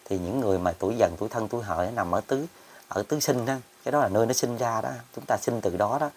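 A man's voice: lowish voice, fast talker, darkish tone, a little hiss or hum. Rambling male teacher. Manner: rambling, repeats words, many fillers. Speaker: feng shui and astrology teacher. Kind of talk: casual spoken teaching talk.

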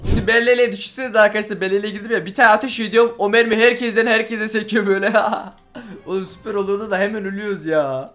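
A young man hosting a gaming channel, giving excited gameplay commentary, talking rapidly, repeating phrases and shouting at the game. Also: high-pitched.

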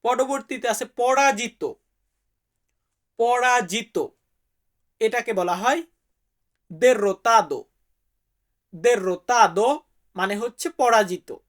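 A man's voice: very high-pitched, lively intonation, takes it slowly, pauses often. A man from Bangladesh, teaching vocabulary to viewers and repeating each word so they can say it back. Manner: friendly, calls viewers brother. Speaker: language teacher.

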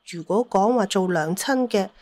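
A woman's voice: medium pitch, moderate pace, a little mellow, natural voice. A woman playing a vain, wheedling older second mother, flustered but cheeky, in an audio drama. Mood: cheeky, boastful. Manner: pleading, then cheekily boastful.

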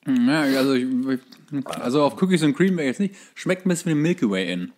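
A man's voice: mid-range voice, lively intonation, normal speed, darkish tone. A man co-hosting a casual podcast, explaining and dryly joking while sounding like he is chewing. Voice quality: chewing, speaking with mouth full. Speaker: podcast co-host. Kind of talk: casual chat.

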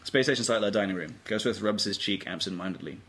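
A man's voice: on the low side, fast talker, a bit bright, breathy edge. A man reading stage directions as narrator in a scripted table read. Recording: noisy informal room recording.

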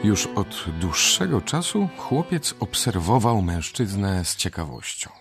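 Lowish male narrator with lively intonation. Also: measured pace, vocal fry, music in the background. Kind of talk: scripted radio drama narration.

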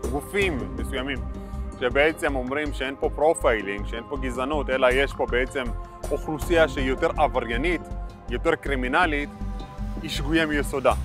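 A man giving a measured, explanatory interview. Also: mid-range voice. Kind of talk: interview talk. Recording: music bed underneath.

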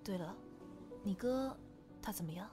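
A woman's voice: medium pitch, animated, moderate pace, over music, lightly acted. A woman acting an easygoing, curious female friend in an audio drama. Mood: casual. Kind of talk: fan audio drama dialogue.

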